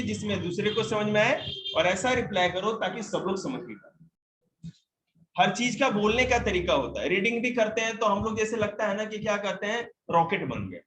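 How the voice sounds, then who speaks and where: Here a male teacher gives a class a spoken English lesson, carefully explaining every example sentence in English and Hindi. His pitch runs high, the room echoes, and the audio quality is poor.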